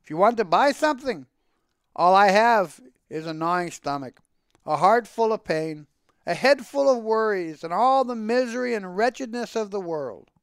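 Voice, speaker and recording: A man's voice: high-pitched, lively intonation, moderate pace, clean tone, no echo, studio quality, voice pushed up. A man voicing a poor, pious Jewish milkman from a storybook, declaiming in a wry, pleading, long-winded way. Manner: declamatory, rhetorical.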